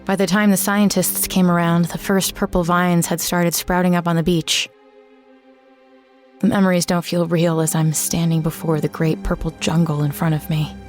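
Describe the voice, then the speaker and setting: A woman's voice: on the low side, level tone, moderate pace, a little mellow, natural voice. A woman playing a weary small-town reporter who narrates eerie events in a first-person audio drama, with music underneath. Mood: somber, wry. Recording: prominent music bed under the voice.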